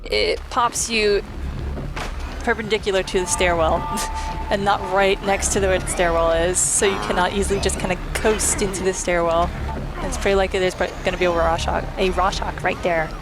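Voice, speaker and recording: A woman's voice: medium pitch, fairly even intonation, moderate pace, rough recording. Wry woman doing casual game commentary. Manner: wry, sweary. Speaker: let's play host, player. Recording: game music behind commentary.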